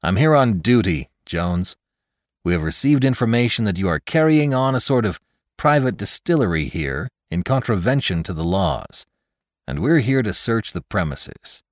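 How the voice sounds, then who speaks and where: A man's voice: on the low side, big pitch swings, moderate pace, no room sound, studio quality. A man voicing a stern, impatient young male constable with a curt, official manner.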